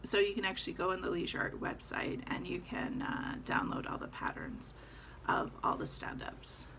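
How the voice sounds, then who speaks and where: A woman's voice: fairly low pitch, huge pitch swings, moderate pace, gravelly, a bit bright, whispered. A woman chatting casually about her cross-stitch projects, rambling with fillers as she shows her work. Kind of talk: casual show-and-tell chat.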